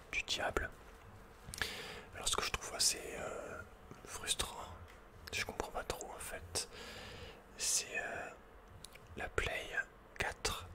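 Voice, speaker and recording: A man hosts an ASMR video game session, whispering breathily and chatting informally with playful asides.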